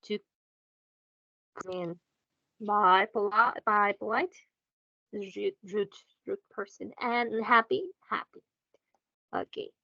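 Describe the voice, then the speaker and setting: A woman's voice: medium pitch, gravelly, pushed and bright, no room sound, muffled recording. A woman teaching an English lesson, patiently correcting and repeating her student's words.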